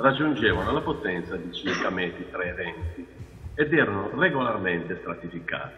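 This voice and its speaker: Here a man speaks in a normal speaking voice, fairly low in pitch. His intonation is lively and his pace is moderate. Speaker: archaeologist. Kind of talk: lecture. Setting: video call. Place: hall. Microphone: camera far.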